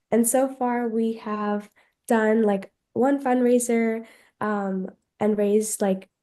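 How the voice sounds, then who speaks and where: A seventeen-year-old girl co-founder introducing her project, steady and matter-of-fact. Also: on the high side. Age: teens. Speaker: student co-founder.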